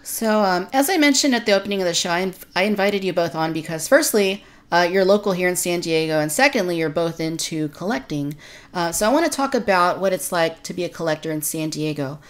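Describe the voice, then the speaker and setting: Low-voiced woman hosting a podcast. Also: animated, brisk. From Texas, United States. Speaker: podcast host. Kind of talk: conversational podcast discussion.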